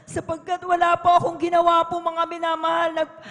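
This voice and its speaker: A woman's voice: extremely high pitch, completely flat delivery, a little fast, fairly bright tone. A middle-aged woman giving a personal testimony at a prayer service, earnest and polite, calling the congregation beloved every few words. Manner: polite and deferential, adds respect particles throughout. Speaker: church member giving testimony. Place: church hall during overnight prayer. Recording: reverberant church hall.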